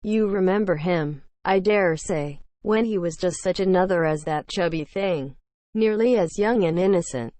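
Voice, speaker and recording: Passionate, headstrong young lady of a classic novel, read by a female narrator: impetuous, declamatory, lowish voice, dry studio-like sound. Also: moderate pace, warm tone, dry recording, natural voice. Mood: gloomy insistent. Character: passionate, willful young gentlewoman confiding her love.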